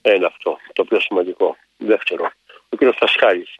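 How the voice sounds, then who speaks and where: Gravelly, indignant man on a phone line. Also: low-pitched, no room sound. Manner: indignant, emphatic, repeats himself. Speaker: caller. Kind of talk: phone-in call. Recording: dull dry phone line.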